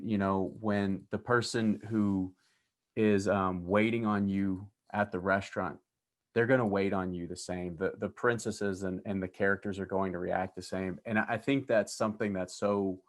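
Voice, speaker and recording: A man's voice: lowish voice, flat delivery, measured pace. A man hosting a class interview who speaks hesitantly and searches for his words, with many ums and restarts. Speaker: university instructor hosting a class.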